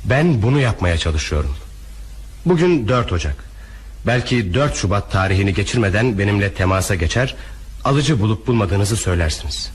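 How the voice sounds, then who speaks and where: A man's voice: lowish voice, lively intonation, normal speed, natural voice. A man acting a formal, controlled and unbending banker in a crime radio drama. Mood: firm, formal. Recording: faintly noisy radio drama recording.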